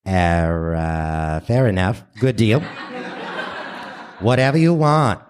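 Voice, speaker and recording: A man's voice: low-pitched, noisy background, pitched below the performer's own voice. A man voicing a hesitant, stammering president in a comic radio play, easily giving in. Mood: hesitant, yielding. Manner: halting, stammering with uhs.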